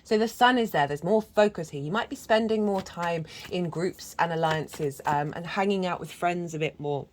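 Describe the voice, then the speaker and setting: A woman with a croaky voice giving a channelled astrology reading, talking in a gentle, flowing, spiritual way with frequent ums. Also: lowish voice, normal speed, few pauses. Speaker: astrology and tarot reader.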